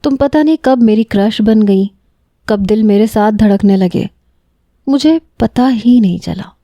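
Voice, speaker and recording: A woman voicing a young man, a stern cousin in love, who lectures firmly and then pleads softly in a narrated romance story. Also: mid-range voice, dry recording, lightly acted. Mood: earnest.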